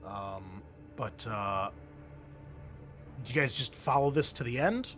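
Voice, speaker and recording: A man narrating a tabletop roleplaying game as game master, in a halting, descriptive, conversational way. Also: mid-range voice, expressive, a bit bright, soft background music.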